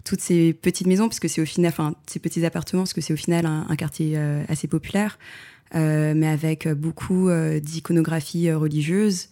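A woman photographer answering interview questions in a reflective way, pausing often with fillers and restarting her sentences. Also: low-pitched, level tone, warm tone. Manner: hesitant, many fillers and restarts.

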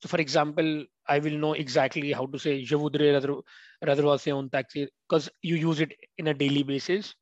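A man's voice: fairly high pitch, little pitch movement, brisk, no echo. A man from India, a guest speaking hesitantly with many fillers over a video call. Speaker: guest, former language student. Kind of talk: casual interview. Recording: dull, dry call audio.

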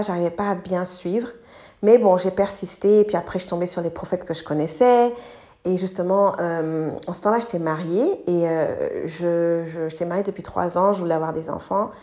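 A middle-aged woman from Côte d'Ivoire, a native English speaker, hosting a podcast and telling her life story thoughtfully, pausing to search for words and dropping in English ones. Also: medium pitch, mellow. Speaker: podcast host. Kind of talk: personal storytelling monologue.

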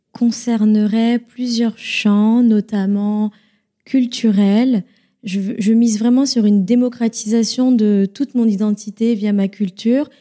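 Woman, young adult, podcast guest, deep mellow timbre, measured thoughtful delivery, some fillers. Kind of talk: casual round-table chat.

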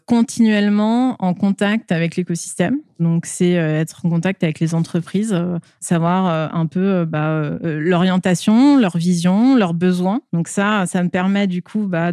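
A woman answers interview questions conversationally through a face mask, halting often with filled pauses. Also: lowish voice, mellow, clear, resonant tone, dry recording, clean studio sound. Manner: hesitant, halting delivery with frequent filled pauses. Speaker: interview guest, school staff working with companies and alumni.

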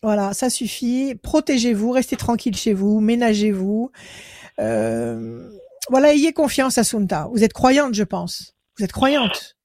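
A woman's voice: on the high side, very animated, unhurried, darkish tone, no room sound, clean studio sound. A woman psychic giving advice to callers on a radio phone-in, urging them again and again. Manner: insistent, repetitive advice. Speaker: psychic on a call-in show. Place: radio studio. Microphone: studio microphone.

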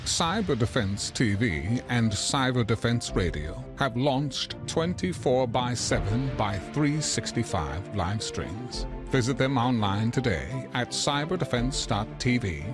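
A man's voice: mid-range voice, lively intonation, unhurried, hardly any pauses. Man announcing a promo over music. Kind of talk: scripted promo.

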